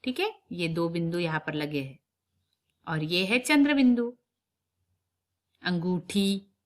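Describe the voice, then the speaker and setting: A woman teaching young children a Hindi lesson, reading sentences slowly and repeating them, then explaining in quicker asides. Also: lowish voice, expressive. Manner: slow, drawn-out dictation with repeated sentences. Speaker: primary school Hindi teacher.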